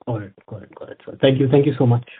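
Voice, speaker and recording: A man asking questions as an analyst on a conference call, halting and deferential. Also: mid-range voice, husky. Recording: muffled narrow phone line.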